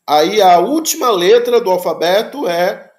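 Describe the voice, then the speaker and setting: A man's voice: high-pitched, lively intonation, measured pace, echoey room. A man teaching Greek pronunciation in a lecture, patiently repeating sounds and checking that students follow.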